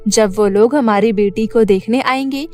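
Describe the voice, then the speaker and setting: A woman acts out a scheming, middle-aged queen mother from a cartoon tale. The voice sits somewhat high and sounds persuasive and explanatory, over a soft music bed. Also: moderate pace, lightly acted. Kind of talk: Hindi cartoon story dubbing.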